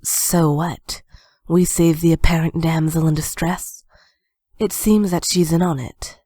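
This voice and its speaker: A woman's voice: low-pitched, steady tone, unhurried, warm tone, dry recording, studio quality. A woman playing a cynical, world-weary young former villain turned hero, wry and cool, in an amateur audio drama. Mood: sceptical.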